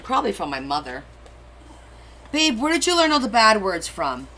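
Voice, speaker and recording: A woman's voice: mid-range voice, very animated, moderate pace, sharp tone, rough recording. A middle-aged woman whose first language is Portuguese, chatting casually and rambling as she hosts a live crafting stream and answers viewer comments. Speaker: crafting livestream host.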